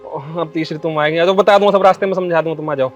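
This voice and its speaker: A man playing a village husband in a comedy sketch, speaking, pleading and excitable, often rising to shouts. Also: fairly high pitch, fast talker, muffled recording, music in the background. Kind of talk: rural comedy sketch acting.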